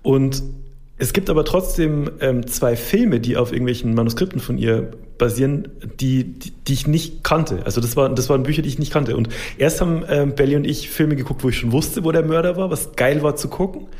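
A man's voice: mid-range voice, brisk, a little mellow. A man chatting casually and humorously as a podcast co-host, informal and enthusiastic.

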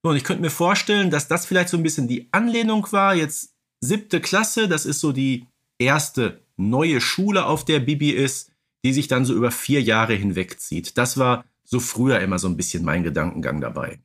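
A man's voice: mid-range voice, expressive, moderate pace, a bit bright, husky. A man from North Rhine-Westphalia with pronunciation co-hosts a casual podcast, musing and explaining as he goes. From North Rhine-Westphalia, Germany. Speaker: podcast co-host.

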